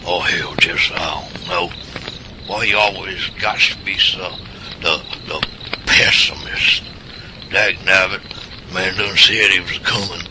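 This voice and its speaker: A man's voice: low-pitched, fairly even intonation, takes it slowly, heavy background noise. A man playing a folksy, grumbling old country man with a rural Southern US accent in an audio drama.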